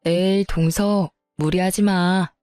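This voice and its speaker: A woman's voice: lowish voice, steady tone, slow pace, warm tone, clean tone, no room sound, studio quality, faint music behind. A woman voicing a friendly, easygoing sister-in-law who talks casually and cheerfully.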